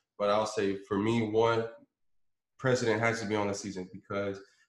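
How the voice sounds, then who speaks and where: A man speaks with an American accent. The room echo is audible. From Tampa, Florida. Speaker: sports agent. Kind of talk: interview.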